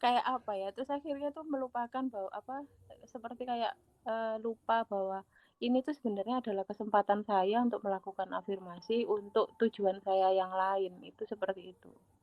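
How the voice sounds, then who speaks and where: Moving at a fairly quick pace, a woman with a fairly high pitch shows ordinary pitch variation and big swings in loudness. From Java. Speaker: online class participant. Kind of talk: testimony. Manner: halting, many fillers.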